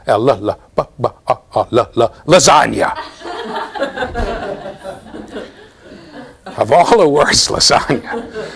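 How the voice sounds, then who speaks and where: Animated man lecturing a class. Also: medium pitch, breathy edge. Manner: animated, explaining with frequent "okay?" and "right?" checks. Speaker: university lecturer. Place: classroom with bookshelves.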